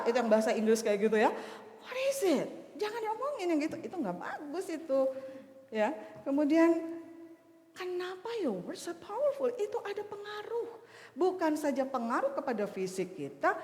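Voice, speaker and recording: Animated woman preaching in echoey hall. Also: fairly high pitch. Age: 50s. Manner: animated storytelling with sudden loud outbursts. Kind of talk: sermon. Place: church hall. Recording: echoey church hall with long reverb.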